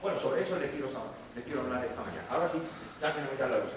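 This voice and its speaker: A man's voice: medium pitch, rapid-fire. A man giving an academic lecture as a professor, posing rhetorical questions and answering them himself with theatrical emphasis. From Spain. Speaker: history professor, guest speaker. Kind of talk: academic lecture delivered to a live audience. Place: indoor seminar hall. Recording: echoey room, distant mic, noisy background.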